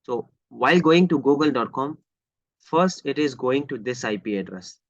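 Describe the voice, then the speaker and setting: Over an online screen-share session, a man with an Indian accent works as an IT trainer, guiding a live technical lesson step by step with repeated phrases, bits of Hindi and slightly unclear speech. He sounds animated, with a mid-range voice at a moderate pace. The audio is close-miked, dull and lo-fi, without echo.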